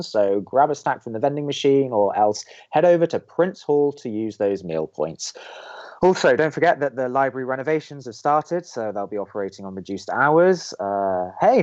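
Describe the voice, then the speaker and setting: A man's voice: medium pitch, a little mellow, dull audio, natural voice. Exasperated, cynical young radio co-host, played by a man. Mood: brisk announcing. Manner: sardonic, argumentative. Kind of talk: bantering audio drama acting.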